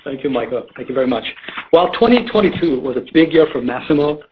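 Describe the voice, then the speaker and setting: A man's voice: on the high side, animated, quick pace, noisy background. A man giving a scripted business presentation as a company executive, reading formally over a muffled phone conference line. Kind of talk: scripted earnings call presentation.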